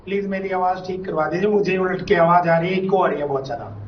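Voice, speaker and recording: A high, flat-toned man speaks as a party spokesman on a remote line. His voice comes back with a heavy, cave-like echo, as if from far off. The audio is dull and muffled, and he hammers the same slogans again and again. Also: fast talker, over a noisy crowd. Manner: insistent, speaks in repeated campaign slogans. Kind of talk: debate-show guest answering questions.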